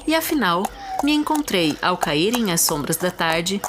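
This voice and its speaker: A woman with a Brazilian accent narrating a classic short story as an audiobook, in a measured, expressive literary reading. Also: fairly low pitch, noisy background. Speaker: podcast host and literary narrator. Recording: music behind the voice.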